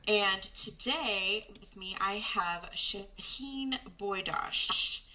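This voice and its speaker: Bright upbeat woman podcast host. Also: mid-range voice, very slow, low-quality recording. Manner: upbeat, friendly interviewer. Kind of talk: podcast interview.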